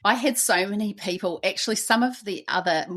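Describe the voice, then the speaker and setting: Brisk and a bit bright, this mid-range female voice belongs to a young podcast host from New Zealand. She chats through her personal story in a New Zealand accent, often tossing in "like" and "right?".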